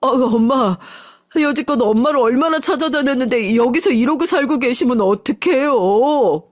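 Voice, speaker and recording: A woman's voice: high-pitched, animated, moderate pace, dry recording, voice pushed up. A woman voicing a grown son, a company chairman, who speaks politely and pleads close to tears. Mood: tearful.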